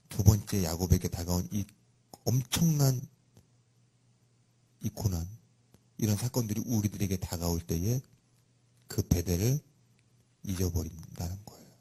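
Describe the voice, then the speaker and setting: A middle-aged man preaches a sermon in a fairly low, husky voice. He tells a personal story in a lively way. His voice often leaps up high and loud for emphasis. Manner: animated storytelling with sudden loud emphatic rises. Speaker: pastor.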